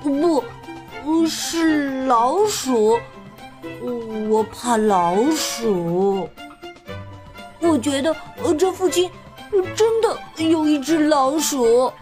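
A woman voicing a timid, lonely little black kitten in a storybook, soft and hesitant. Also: sits high, animated, very slow, over music, exaggerated voice.

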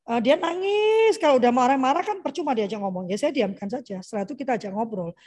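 Lively middle-aged woman giving parenting advice. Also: high-pitched, fast. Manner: lively, mimics children's voices in quoted lines. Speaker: parenting speaker. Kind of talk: conversational online parenting talk.

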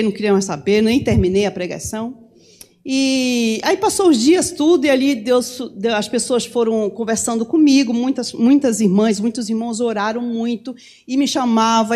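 High-pitched woman preaching an emotional testimony. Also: a little mellow. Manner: impassioned, voice rising high when pleading. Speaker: church preacher giving testimony.

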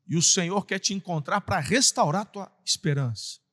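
A Brazilian man preaching a sermon as pastor, animated, acting out voices and breaking into sudden shouts. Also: high-pitched, moderate pace, in a large hall. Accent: Brazilian Portuguese.

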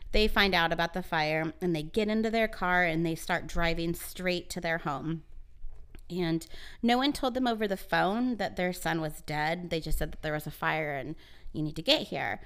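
A woman's voice: lowish voice, measured pace, smooth. A woman co-hosting a podcast, casually retelling a true crime story with many fillers and acted-out quotes. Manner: relaxed, uses many fillers, acts out quotes.

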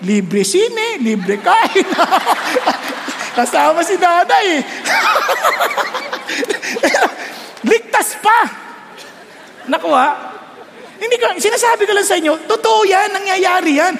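High-voiced man preaching in an echoey hall. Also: measured pace, vocal fry, crowd noise, noisy background. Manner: animated, mixes in English phrases, rhetorical questions. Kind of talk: sermon.

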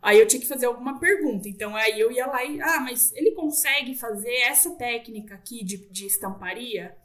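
A woman telling stories as an interview guest, in a chatty, animated way with lots of fillers. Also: fairly high pitch, a little fast, recorded from a distance. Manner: chatty, animated, frequent fillers and quoted asides. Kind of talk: casual interview storytelling.

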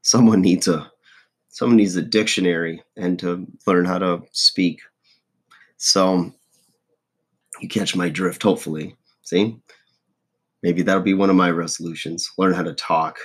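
A hoarse, husky man in his forties giving a casual, folksy motivational monologue as a host. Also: low voice, fairly even intonation, a little slow, pauses often. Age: 40s. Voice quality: husky, rough. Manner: folksy, self-deprecating, checks in with "okay?" and "right?". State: hoarse voice, throat-clearing. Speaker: host of a motivational video podcast.

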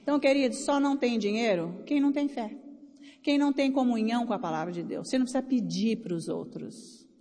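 Brazilian woman preacher, blunt exhorting delivery, slightly high voice, echo of a big church hall. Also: a little fast, warm tone. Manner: blunt, exhorting, speaks to the crowd. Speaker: preacher raising offerings at a conference. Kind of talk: sermon. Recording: long hall reverb.

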